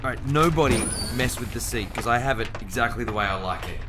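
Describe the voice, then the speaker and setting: A man's voice: mid-range voice, expressive, fast talker, background noise, natural voice. A man playing a laid-back, wisecracking starship pilot with a casual manner in a sci-fi audio drama. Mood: casual, wry. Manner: casual, joking.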